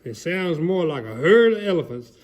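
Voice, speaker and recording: Hammy country gator, swooping pitch. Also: male voice, sing-song, moderate pace, a little mellow. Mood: hammy, excited. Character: folksy, excitable country alligator telling a storybook tale. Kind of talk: dramatic storybook reading, played for comedy.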